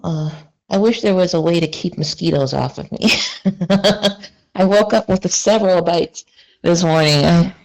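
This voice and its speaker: A woman checking in on a group call, relaxed and easygoing. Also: fairly low pitch, unhurried, creaky, low-quality recording. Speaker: net participant checking in.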